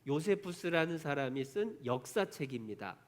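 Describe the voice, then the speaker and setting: A man's voice: sing-song, normal speed. A man teaching an online Bible lesson for children. He keeps asking the kids questions and then answering them himself, telling the story with strong emphasis. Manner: emphatic storytelling with big pitch swings.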